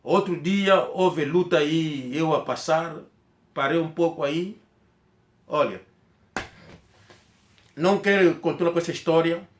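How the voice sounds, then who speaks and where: Angolan man whose first language is Kikongo, slightly high voice, halting vlog storytelling, echoey room. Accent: Angolan Portuguese. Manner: rambling, halting, with frequent restarts. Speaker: vlogger. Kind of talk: personal storytelling to camera.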